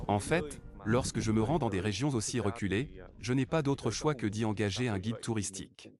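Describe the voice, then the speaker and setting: A man reading translated interview answers as a voice-over in a calm, plain way. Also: on the low side.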